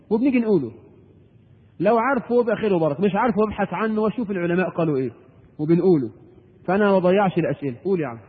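Egyptian male preacher, high-pitched and husky, asks the room rhetorical questions. Tinny, echoey hall recording. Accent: Egyptian Arabic. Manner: rhetorical questions, repeats key phrases. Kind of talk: Islamic lecture with audience questions. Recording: echoey hall over a tinny narrow line.

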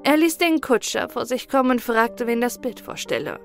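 A woman narrates a fairy-tale audiobook in a calm, measured way. Her voice sits a little high. Faint music runs beneath the reading.

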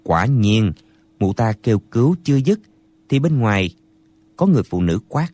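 A man narrating a martial arts novel as an audiobook in an expressive storytelling manner, close to the mic. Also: medium pitch, normal speed, no echo.

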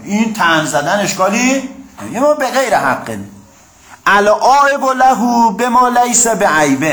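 Male teacher, high voice, lively classroom lecture, keeps prompting listeners, echoey room. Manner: keeps checking with listeners and prompting them to answer; reads Arabic passages, then explains them in plain speech. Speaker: teacher of Quran commentary.

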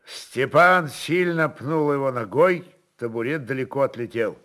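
A man narrating a literary story dramatically, with measured, expressive delivery. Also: medium pitch.

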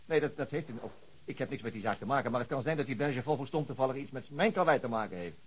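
Fast, husky, impatient detective. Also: male voice, medium pitch, expressive. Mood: coaxing, insistent. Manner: pressing, sardonic, repeating himself. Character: impatient, insistent, sarcastic police detective. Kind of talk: radio drama acting.

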